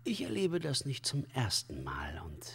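An actor playing an esoteric male commune leader in a crime radio drama, unctuous and evasive, speaking in a halting, solemn, flowery way. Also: medium pitch, huge pitch swings, gravelly, fairly bright tone, a little hiss or hum, full character voice. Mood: mournful, evasive. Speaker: suspect under police questioning. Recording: long hall reverb.

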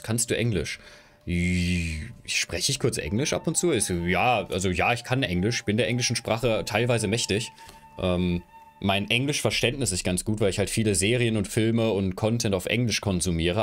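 A young man streaming from his room on a headset mic, chatting loosely with his viewers while he moves his camera and gear around. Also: fairly low pitch. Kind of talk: casual live stream chat. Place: home room, indoors.

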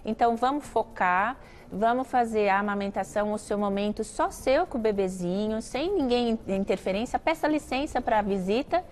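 Brazilian woman doctor explaining, higher voice. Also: expressive, moderate pace, darkish tone, a little hiss or hum. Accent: Brazilian Portuguese. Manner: explanatory, advising, fluent. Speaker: gynecologist guest. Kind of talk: TV talk show explanation.

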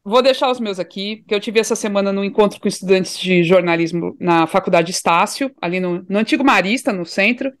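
A woman co-hosting a podcast, chatting casually and sending warm shout-outs. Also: medium pitch, brisk, hardly any pauses. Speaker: podcast co-host.

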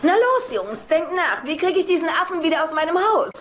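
An actress in a German sitcom dub playing a sharp-tongued older mother who complains dramatically and indignantly. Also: very high-pitched, sing-song, fairly quick. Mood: exasperated. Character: exasperated, sharp-tongued mother of grown sons. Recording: noisy TV soundtrack with ambience.

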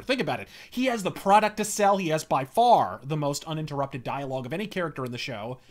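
A male host in his thirties introduces a show in a fairly high voice. His delivery is lively and dramatic, leaning hard on key words. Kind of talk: emphatic scripted introduction to camera. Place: small cluttered home office, indoors.

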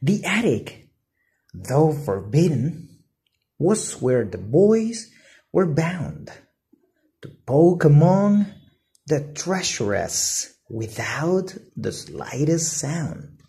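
A woman reading a children's story aloud with deliberate, expressive and dramatic phrasing. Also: low-pitched. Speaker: storybook reader.

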